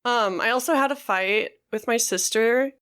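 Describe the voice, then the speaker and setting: A woman co-hosting a podcast, talking frankly in a halting way with many fillers. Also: fairly high pitch, a bit bright, clean tone. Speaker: podcast co-host. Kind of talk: candid conversational podcast talk.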